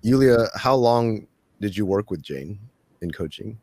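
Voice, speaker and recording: A man's voice: on the low side, lively intonation, measured pace, a little mellow. A man hosting a podcast interview, chatting casually and repeating phrases as he goes.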